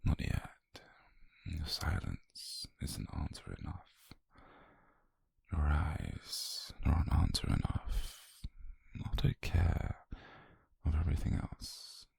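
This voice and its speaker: Casting: male actor as calm, possessive yandere doctor, British, for ASMR roleplay; dark, breathy, creaky voice, very slow, intimate delivery. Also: extremely low pitch, dry recording, heavily acted. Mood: possessive, resolute. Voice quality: breathy, husky near-whisper.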